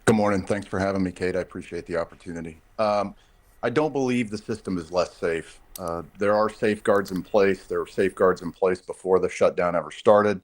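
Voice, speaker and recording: Low-voiced man, emphatic interview guest. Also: a little fast. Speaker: air traffic controllers' union representative, interview guest. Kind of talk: live TV news interview, spoken off the cuff.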